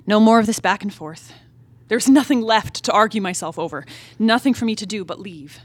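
A woman's voice: medium pitch, brisk, dry recording, close to an everyday voice. A woman acting a restless, defiant young wife in a dramatic stage play reading, yearning and impassioned. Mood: wistful, resolute. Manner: theatrical, impassioned soliloquy. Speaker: playwright reading her own play.

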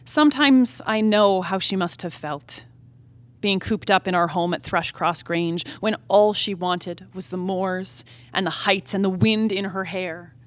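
A woman acting a wilful, discontented young married woman in a period stage drama, in a reflective, halting, emotive soliloquy. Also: mid-range voice, lightly acted. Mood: wistful, defensive. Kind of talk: theatrical play reading, period drama monologue. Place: theatre stage, live play reading.

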